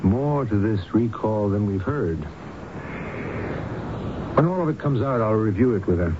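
An actor playing a measured, earnest male doctor and hypnotist who explains things deliberately, in an old-time radio drama. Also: lowish voice, animated. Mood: earnest, theorizing. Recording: noisy, muffled vintage radio recording.

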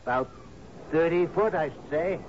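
An actor playing an uneasy, deferential working-class sidekick in a radio drama, guarded and hesitant. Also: male voice, on the high side, moderate pace, close to an everyday voice. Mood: alert. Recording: dull, hissy old radio broadcast.

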